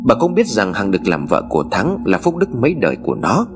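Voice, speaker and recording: A man narrating a ghost story in a measured, dramatic way. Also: on the low side, huge pitch swings, in a large hall. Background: music.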